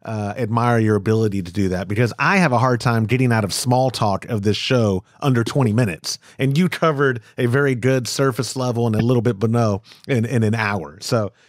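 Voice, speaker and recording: A man's voice: mid-range voice, brisk, few pauses, no room sound, clean studio sound. A man hosting a podcast, chatting casually and agreeing enthusiastically with his guest. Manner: enthusiastic, friendly, easy agreement. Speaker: podcast host. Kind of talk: casual chat.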